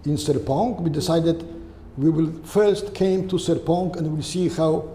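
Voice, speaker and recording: A guest from Poland, an older man with a Polish accent, gives conversational interview answers in a halting, searching way, often tagging on "okay?" and "right?". His voice is slightly high but soft and mellow. A long reverb fills the room over a faint hiss.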